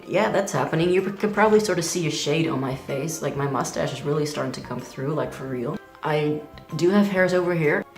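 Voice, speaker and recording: A man's voice: a little high, brisk, reverberant, faint music behind. A young trans man talking candidly in a casual video diary, chatty and full of "like" fillers. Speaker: vlogger.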